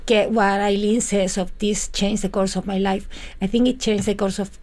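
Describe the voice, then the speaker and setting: A woman's voice: medium pitch, flat delivery, moderate pace, darkish tone. A woman from Madrid with a Spanish accent, a flamenco dancer chatting in an interview and sometimes searching for English words. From Spain, Madrid. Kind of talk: casual interview chat.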